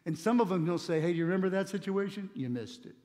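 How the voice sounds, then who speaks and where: A middle-aged man delivers a sermon from a church stage in a conversational, earnest manner, stumbling and restarting as he goes. His voice sits somewhat high for a man. The sound carries a long reverb from the room. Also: lively intonation, quick pace, mellow. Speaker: pastor. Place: church stage with communion table.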